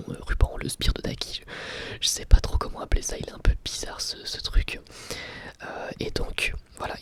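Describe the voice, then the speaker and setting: A man's voice: mid-range voice, a bit bright. A man whispers breathily in an ASMR commentary, informal and enthusiastic like a fan. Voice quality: breathy, mostly unvoiced whisper. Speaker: ASMR channel host reviewing anime.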